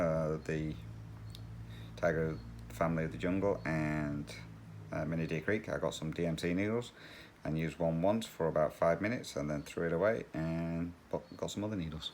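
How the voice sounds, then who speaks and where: A very deep-voiced man chats while he stitches, in a loose, rambling way. He laughs often and drifts off topic. A faint hiss of noise sits under his voice. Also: fairly even intonation, normal speed, darkish tone. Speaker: cross-stitch channel host. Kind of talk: casual chat while stitching.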